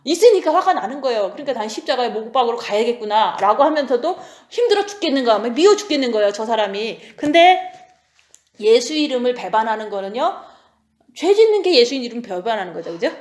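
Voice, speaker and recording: Woman in her 40s preaching like she's just chatting, keeps asking "right?", kinda high voice, echoey room. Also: very animated, fast talker, a little mellow. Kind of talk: sermon.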